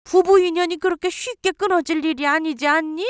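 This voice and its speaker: A woman's voice: very high-pitched, fairly even intonation, a little fast, dry recording, clean studio sound, pitched above the performer's own voice. A woman putting on a wailing older mother-in-law. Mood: placating.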